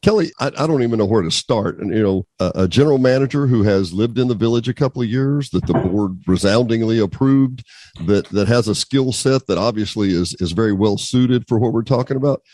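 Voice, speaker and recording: A man hosting a local radio show, talking in a lively, conversational way as he introduces songs and guests. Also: mid-range voice, brisk.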